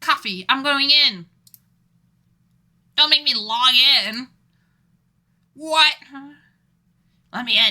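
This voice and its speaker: A woman speaks very slowly in a raised, projected voice that is high-pitched, bright and sharp, with ordinary pitch variation and long, frequent pauses, in a very clean recording with a silent background. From Norway. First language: Norwegian. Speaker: streamer and artist. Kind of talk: casual chat.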